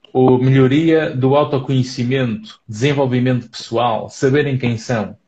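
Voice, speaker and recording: A man's somewhat breathy voice at a medium pitch. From Portugal. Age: 40s. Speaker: psychologist, live show host. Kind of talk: live stream conversation.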